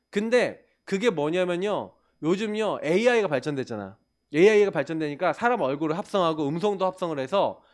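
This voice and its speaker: A male pastor giving a sermon to young people, telling stories with energy, speaking to listeners directly and answering his own questions. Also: on the high side. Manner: animated storytelling, addresses listeners directly and calls himself the pastor; poses questions and answers them himself.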